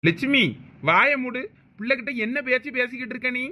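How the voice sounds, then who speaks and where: A man's voice: extremely high pitch, lively intonation, a little fast, pushed and bright, full character voice. A man voicing a stern but doting village father in a cartoon, with a Thoothukudi Tamil accent. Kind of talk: cartoon voice acting.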